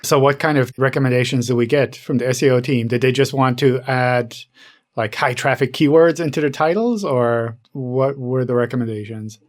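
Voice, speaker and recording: A man's voice: mid-range voice, normal speed. A man co-hosting a podcast, talking casually and putting questions to his colleagues. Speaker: podcast co-host. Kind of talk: casual chat, asking questions.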